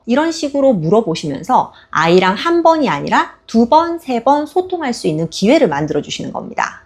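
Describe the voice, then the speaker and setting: Breathy-voiced woman speech therapist explaining. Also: medium pitch. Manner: gentle, reassuring, acts out toddler sounds and parent phrases. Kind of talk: explanatory parenting lesson.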